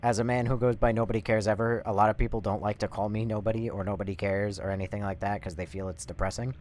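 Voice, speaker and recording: A man doing casual live game commentary, rambling and swearing as he thinks out loud. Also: fairly low pitch, steady tone, fast. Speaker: live streamer. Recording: faint background noise.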